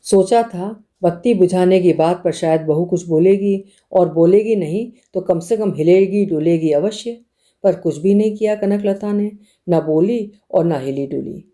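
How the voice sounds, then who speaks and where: In a lowish voice, a woman reads a literary audiobook, telling the story in a measured yet expressive way.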